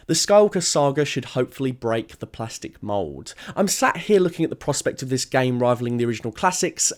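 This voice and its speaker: A young man giving scripted opinion narration as a video essayist, conversational, opinionated and emphatic. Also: fairly high pitch.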